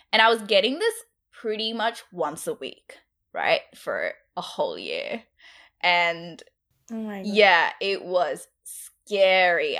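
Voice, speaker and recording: In a very clean recording with a silent background, the speaker talks with an Australian accent. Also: woman. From India, raised in Brisbane, Australia. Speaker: civil engineer and youth mental health advisor. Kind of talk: casual interview chat.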